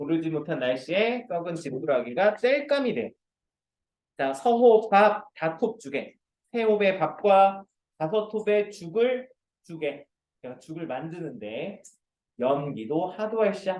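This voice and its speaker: Long, frequent pauses interrupt speech that moves at a very slow pace. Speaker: Korean literature teacher. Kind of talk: lecture.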